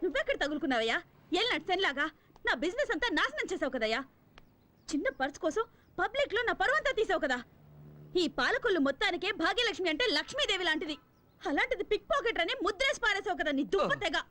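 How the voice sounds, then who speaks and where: Defiant streetwise young woman pickpocket for comedy film: lively, swooping, rapid retorts. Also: very high voice, full character voice. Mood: indignant. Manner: scornful, streetwise, quick to retort. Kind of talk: Telugu comedy film acting.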